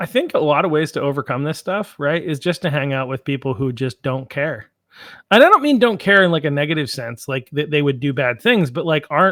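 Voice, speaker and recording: At a fairly quick pace, a man speaks in a plain, everyday voice, fairly high in pitch with ordinary pitch variation. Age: 40s. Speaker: podcast co-host. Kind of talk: casual chat.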